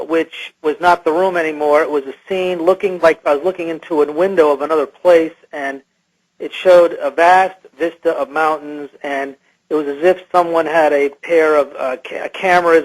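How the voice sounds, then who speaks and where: A male interview guest whose voice has been electronically altered to disguise him, sitting on the high side for a man. He recounts his own experiences in a halting, hesitant way, feeling for his words as he goes. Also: fairly even intonation, rough recording.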